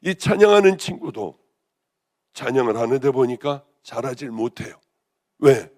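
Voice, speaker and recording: A woman pastor with a hoarse voice, preaching a sermon with passion, rising to loud exclamations and then dropping to hushed, almost whispered lines. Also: rumbling low, animated, moderate pace. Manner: impassioned, swinging between raised exclamations and hushed near-whispers.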